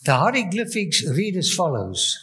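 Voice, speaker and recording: High bright man speaking slow, halting English. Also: huge pitch swings. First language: not English. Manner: enthusiastic, full of wonder. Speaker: guest speaker on ancient Egypt. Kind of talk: lecture with live interpreter.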